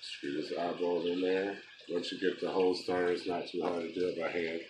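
A man's voice: low voice, little pitch movement, moderate pace. A man in his thirties casually talking through a woodworking project as he drills and screws in his garage. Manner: offhand, talks to himself while drilling. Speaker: DIY video host. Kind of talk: casual how-to narration while working. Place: home garage and driveway, outdoors. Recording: noisy outdoor camera audio.

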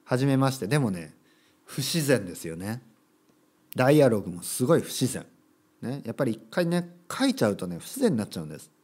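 A man's voice: mid-range voice, big pitch swings, a little fast, a little mellow, husky. A man from Kyushu hosting a casual solo podcast for learners, chatty and given to repeating phrases and acting out little dialogues. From Kyushu, Japan. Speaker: podcast host teaching Japanese.

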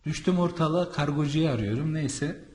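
A man's voice: on the high side, normal speed, darkish tone. Chatty rambling man. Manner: chatty and rambling, many fillers. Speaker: visa and travel consultant. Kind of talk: casual vlog monologue.

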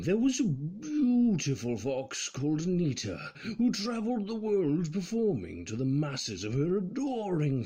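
A man playing a wry, theatrical storybook narrator with a husky voice and a measured delivery. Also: mid-range voice, a little mellow, heavily acted. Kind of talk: tongue-in-cheek storybook narration.

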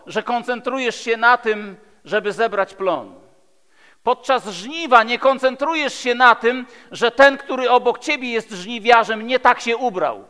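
Preaching from the pulpit of a large church hall, a high-pitched man from Poland, in his fifties, speaks emphatically and rhetorically, with repeated phrases and dramatic swings between loud and hushed. Long reverb fills the echoey recording.

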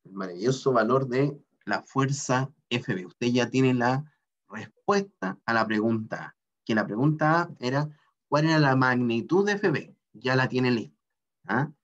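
A male teacher lecturing slowly and patiently through a mechanics problem, pausing often to check in with his students. His voice sits at an ordinary middle pitch. The sound is muffled and lo-fi, like an online class picked up on a computer mic. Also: expressive. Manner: explains step by step, checks in with a questioning "ah?".

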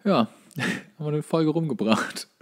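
A man's voice: fairly high pitch, moderate pace. A man co-hosting a podcast in casual comedic banter, talking in a joking, rambling way. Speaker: podcast co-host.

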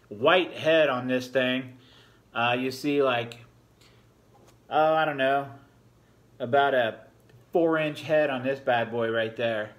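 Rambling middle-aged man reviewing beer. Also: mid-range voice. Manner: relaxed, rambling, many fillers. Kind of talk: casual beer review vlog. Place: home bar room, indoors. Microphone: fixed camera at a table.

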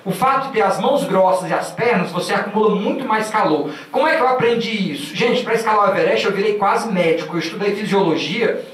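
Fast, high-voiced Northeastern Brazilian man. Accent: Northeastern Brazilian Portuguese. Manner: energetic, humorous, walks the stage. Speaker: motivational speaker. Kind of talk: motivational talk. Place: large auditorium. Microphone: handheld mic. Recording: echoey hall from far off.

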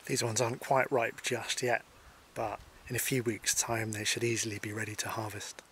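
A man in his forties from Scotland gives a calm, unhurried lesson on foraging, his low voice staying fairly level throughout. He speaks outdoors to camera, with a faint hiss of open-air noise behind him. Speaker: foraging instructor. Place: outdoors by hedges and a field.

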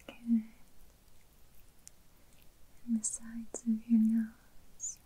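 A woman in a gentle, soothing, unhurried whispered role-play as a spa therapist, close to the microphone. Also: fairly high pitch, completely flat delivery, poor audio. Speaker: ASMR performer playing a spa therapist. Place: small decorated indoor room set. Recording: clear background noise, soft clicks, ocean sounds. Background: ocean sounds.

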